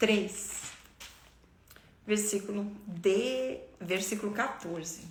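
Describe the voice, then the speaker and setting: A woman talks at a medium pitch. Audible room echo and noticeable background noise come through. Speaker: Bible teacher. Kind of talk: Bible study live stream. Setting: live stream.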